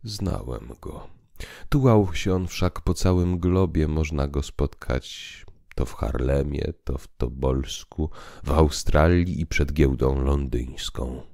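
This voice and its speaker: Very deep, solemn priest played by a man. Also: creaky, warm tone, dry recording, studio quality, exaggerated voice. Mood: grave, mysterious. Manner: solemn, deliberate, oratorical. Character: calm, grave priest telling visionary tales. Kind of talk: dramatized literary audiobook reading.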